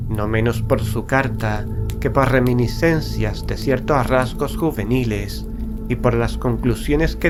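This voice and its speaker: Solemn male horror narrator over music. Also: medium pitch. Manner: solemn, measured, literary delivery. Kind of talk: scripted horror audiobook narration. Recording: prominent music bed under narration.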